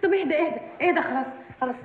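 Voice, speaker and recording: A woman's voice: high voice, racing, a little hiss or hum, close to an everyday voice. An actress with an Egyptian accent playing a scheming young woman who gives orders dramatically. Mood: bossy. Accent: Egyptian Arabic. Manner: commanding, dramatic. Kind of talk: comedy film acting. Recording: tinny film audio with room echo.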